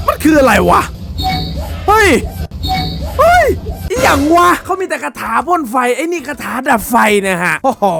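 High, lively-voiced excitable male reactor. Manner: loud, crude slang, frequent shouting and laughing. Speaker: YouTube reaction host.

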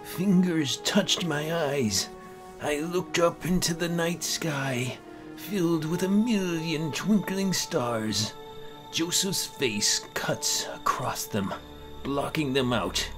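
A man reads a horror tale in the first person with brooding, theatrical delivery. He takes it very slowly, in a mid-pitched voice, over prominent music. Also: animated. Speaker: narrator, amateur voice actor. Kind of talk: dramatic first-person horror story narration.

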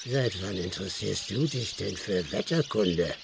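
An actor playing a drunken, mocking, lecherous village squire and colonel in a German radio play. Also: male voice, low voice, expressive, moderate pace, vocal fry, background noise. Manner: sneering, swaggering, swinging from murmurs to shouts.

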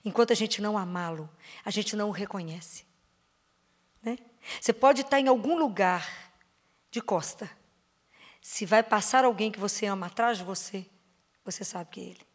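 A woman with a Brazilian Portuguese accent preaching a sermon to a parish prayer group. She asks her listeners questions, slows down on words she stresses and drops to a soft, low voice on key phrases. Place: church or parish hall.

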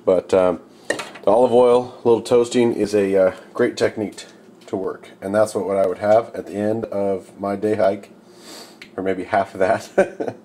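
A young man casually demonstrating camp cooking outdoors at night, talking in a relaxed, rambling way full of fillers, recorded on a camera held close. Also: lowish voice, moderate pace, a little hiss or hum.

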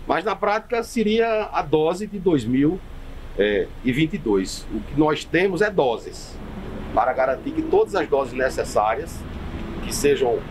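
A man's voice: on the high side, sing-song, a little slow, background noise. An older man, a government official, giving a press statement, hesitant with fillers, outdoors by the street.

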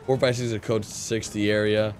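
A young American man giving animated, joking game commentary and roleplay as a police officer, close on a headset mic. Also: on the low side, brisk, over music. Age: young adult. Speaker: gaming streamer role-playing a police officer. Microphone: headset microphone, close.

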